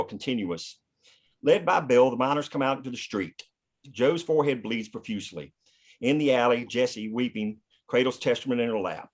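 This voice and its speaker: Man reading screenplay stage directions. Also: medium pitch. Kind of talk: scripted narration at a screenplay table read.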